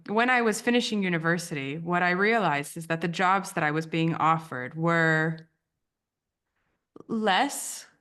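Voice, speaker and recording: A woman in her thirties, raised in the US after a childhood in Romania, whose first language is Romanian. Her voice sits a little low, and she talks reflectively, circling back and rephrasing as she goes. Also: fairly bright tone. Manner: thoughtful, repeats and restarts phrases. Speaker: guest, branding editor. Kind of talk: reflective podcast interview.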